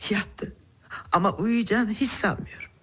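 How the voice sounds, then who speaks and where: Husky, anxious mother. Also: medium pitch, unhurried, fairly bright tone. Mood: worried, resigned. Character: anxious, emotional mother of a grown daughter. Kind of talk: TV drama acting.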